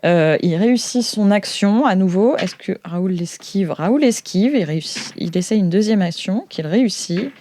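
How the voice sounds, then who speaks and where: A woman game master with a mid-pitched voice narrates a tabletop role-play session. She speaks casually and hesitantly, slipping in playful verbal sound effects as she announces turns and rolls. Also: expressive, normal speed, hardly any pauses, dark tone, slight background noise.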